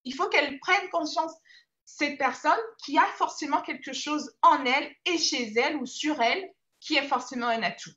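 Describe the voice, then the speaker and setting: A woman's voice: high-pitched, moderate pace, sharp tone, dull audio. A woman guest on a live chat show, an image consultant who speaks hesitantly with many fillers.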